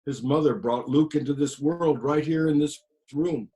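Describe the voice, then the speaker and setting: A man playing a quiet grieving old grandfather. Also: a little high, moderate pace, lightly acted. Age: older. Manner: quiet, subdued storytelling. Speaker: actor. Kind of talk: one-man stage play monologue.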